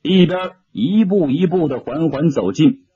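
A man's voice: a little high, animated, measured pace, dark tone, husky, no room sound, muffled recording. A man narrating an audiobook story dramatically, shifting his tone with the action.

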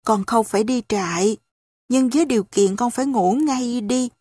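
A woman's voice: on the high side, normal speed, dark tone, no room sound, clean studio sound, lightly acted. A woman voicing a loving village foster mother, speaking in a soothing, reassuring way.

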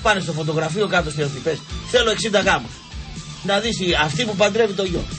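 A man's voice: sits high, over music. A man telling comic anecdotes on a radio show, acting out voices in his stories. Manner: animated, acts out voices in anecdotes. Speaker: radio show guest storyteller. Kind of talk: casual comic storytelling. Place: radio studio.

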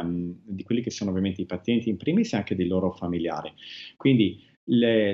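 Low-voiced man, measured, lo-fi sound. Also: darkish tone. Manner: measured, with frequent hesitations and restarts. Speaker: guest expert on rare diseases. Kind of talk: TV interview answers.

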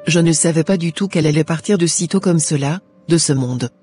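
A woman's voice: low voice, a little fast, dark tone, close to an everyday voice. A woman voicing a headstrong, regretful young orphaned daughter in an amateur Christian cartoon, lamenting dramatically over music. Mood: grieving, regretful.

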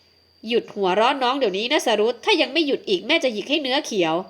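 A woman's voice: on the high side, lively intonation, fast talker, a bit bright. Bossy, doting elderly noblewoman for an audiobook, voiced by a woman narrator, fussy scolding manner. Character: elderly aristocratic aunt, doting yet bossy. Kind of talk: audiobook character voice.

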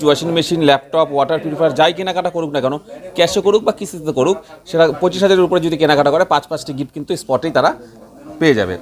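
A man with a West Bengal Bengali accent giving an emphatic, repetitive promotional sales pitch as a showroom promoter. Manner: emphatic, repetitive listing of offers.

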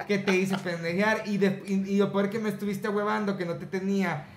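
A young Salvadoran man hosts a podcast in a high voice. He talks fast and jokes in crude slang. The room is echoey and music plays behind him. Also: steady tone. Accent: Salvadoran Spanish. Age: young adult. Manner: rapid, joking, crude slang. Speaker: podcast host. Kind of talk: casual comedy podcast chat.

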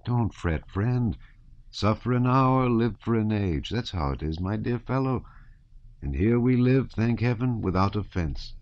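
A man's voice: fairly low pitch, big pitch swings, unhurried, a little mellow, pitched above the performer's own voice. A man voicing a small, kindly Russian peasant soldier who talks in a tender, caressing sing-song. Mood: tender, consoling. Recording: dull, roomy audiobook recording.

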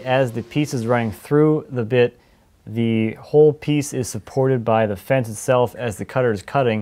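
Young guy chatting about his shop projects, easygoing, laughs a lot, mid pitch. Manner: relaxed, laughs often between points. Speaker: woodworking video host. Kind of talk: casual workshop update. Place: home woodworking shop.

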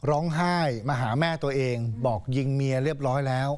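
A man's voice: mid-range voice, steady tone, brisk, clear, resonant tone. A man anchoring a news program, telling the story in a casual, chatty way with polite particles.

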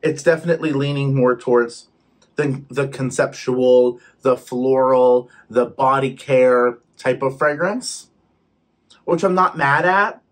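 A man's voice: medium pitch, a little slow. A young man chatting casually as he reviews home fragrance products, talking with his hands at a desk in his living room. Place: living room with shelves behind.

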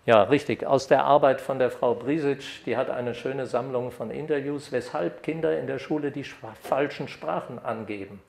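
An older man giving an academic lecture at a podium microphone, lively when reading examples aloud. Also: mid-range voice, normal speed, creaky, few pauses. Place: lecture hall. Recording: echoey hall.

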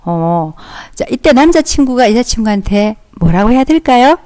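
A woman's voice: fairly high pitch, sing-song, moderate pace, mellow. A woman teaching an audio-only class to young children, talking them through with encouraging questions and acting out their lines. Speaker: elementary school teacher. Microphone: close microphone, audio only.

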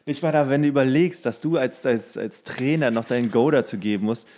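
A man's voice: mid-range voice, a little fast, darkish tone. Grumbling, crude man ranting casually. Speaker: podcast co-host. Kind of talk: casual chat, ranting banter.

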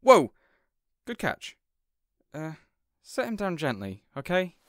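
A man's voice: on the high side, huge pitch swings, takes it slowly, fairly bright tone, dry recording, heavily acted. A man playing a considerate, awkward supervillain boss in an audio roleplay, conversational and a bit hesitant. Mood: concerned. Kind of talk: audio roleplay drama acting.

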